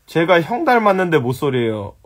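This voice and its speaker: A man's voice: fairly high pitch, very animated, fairly quick. A young man hosting a casual live stream, answering viewer questions bluntly, teasing and swearing at them. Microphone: phone.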